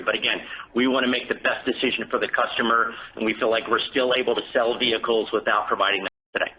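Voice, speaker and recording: A man speaking as a finance executive on an earnings call, giving measured, careful answers. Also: mid-range voice. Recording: dull conference call line with hiss.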